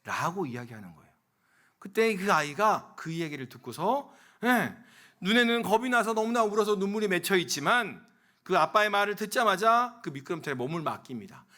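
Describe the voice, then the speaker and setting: Bright-voiced Korean pastor preaching. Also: male voice, sits high, moderate pace. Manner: animated storytelling, acts out quoted voices, swings from loud to soft. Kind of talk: sermon. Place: church sanctuary.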